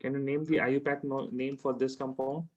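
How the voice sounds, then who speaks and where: A man with a South Asian accent tutors chemistry one-to-one in an informal way, repeating his phrases and often asking questions to check understanding. His voice is mid-range with little pitch movement, and he talks fairly quickly. The audio is dull.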